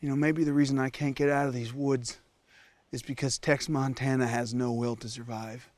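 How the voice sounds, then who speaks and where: An actor playing a lost, cold and hungry survival-show star whose confession swings between sobbing and panic. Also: male voice, medium pitch, flat delivery, normal speed, darkish tone, natural voice. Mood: quiet, resigned. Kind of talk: comic monologue acting.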